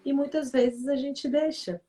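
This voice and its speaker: A woman's voice: high voice, steady tone, measured pace, mellow. A woman who writes for readers, explaining family relationships in a reflective, teacherly way and often checking in with "né?". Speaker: author and family-relations speaker in a livestream. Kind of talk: explanatory talk in a live conversation. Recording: voice somewhat distant from the mic.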